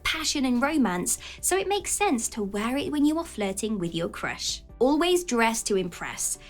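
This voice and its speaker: A woman reading scripted dating advice as a voice-over, in an expressive style that slows down on each heading. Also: sits high. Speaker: channel narrator.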